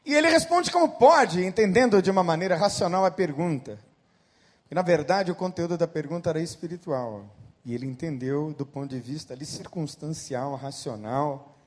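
A middle-aged man from Brazil, a pastor preaching a sermon that swings between loud emphatic peaks and quiet storytelling. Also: on the high side, moderate pace.

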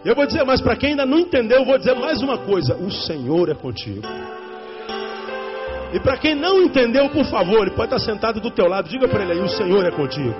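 A man's voice: high-pitched, sing-song, fast. A male pastor preaching a sermon, addressing the congregation directly and repeating key lines for emphasis. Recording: dull lo-fi sermon recording with faint music.

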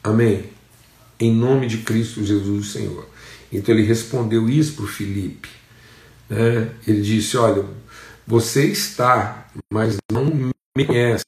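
A Brazilian man preaching a sermon as pastor, with repeated phrases and emphatic rises in pitch. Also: steady tone, a little slow, darkish tone, reverberant. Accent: Brazilian Portuguese.

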